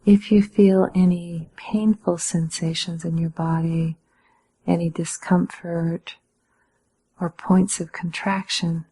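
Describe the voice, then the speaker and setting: A woman meditation teacher giving calm, measured guided instruction in a breathy, slightly husky voice, with gentle pauses. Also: fairly low pitch, low-quality recording.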